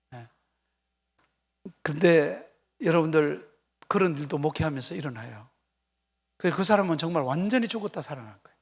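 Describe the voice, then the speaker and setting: Lively storytelling older male pastor. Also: on the high side. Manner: storytelling with acted quotes and questions to the congregation. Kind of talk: revival sermon. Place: church sanctuary.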